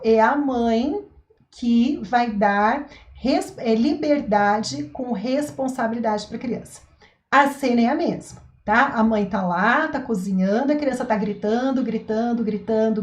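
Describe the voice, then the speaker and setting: A woman, a mother and parenting coach, explaining to an online audience in an expressive way, often acting out scenes. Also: fairly high pitch. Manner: expressive, acts out scenes, tags sentences with "tá?" and "né?". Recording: echoey room.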